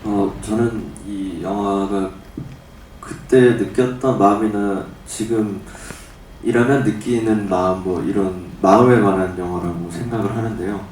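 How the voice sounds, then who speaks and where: Soft-spoken low-voiced man. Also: fairly even intonation, a little slow, a little hiss or hum. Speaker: actor. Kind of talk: press conference answers. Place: cinema press conference hall. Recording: echoey hall from far off.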